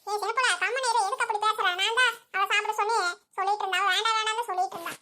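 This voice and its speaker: Woman voicing shrill quick-talking village women for a cartoon, bright tone. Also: fairly even intonation, a little hiss or hum. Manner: chatty, scolding village banter. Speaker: voice actor playing several village women. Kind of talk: cartoon voice acting.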